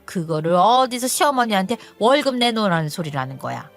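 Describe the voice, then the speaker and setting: A woman's voice: mid-range voice, normal speed, close to an everyday voice. Casting: woman putting on a domineering, nagging older mother-in-law, storybook narration, faint music behind. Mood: indignant.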